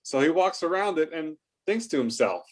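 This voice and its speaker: A man's voice: a little high, animated, normal speed. A man reading stage directions in an informal, amused way for a casual staged reading.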